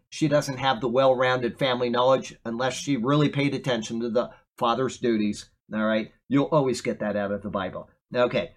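A man, preaching a casual sermon and often checking in with his listeners. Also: mid-range voice. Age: 50s. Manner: conversational, keeps asking "okay?". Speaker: pastor.

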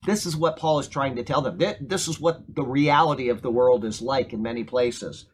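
A man's voice: mid-range voice, moderate pace, slightly rough. A man, preaching a casual sermon and often checking in with his listeners. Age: 50s. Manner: conversational, keeps asking "okay?". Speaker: pastor.

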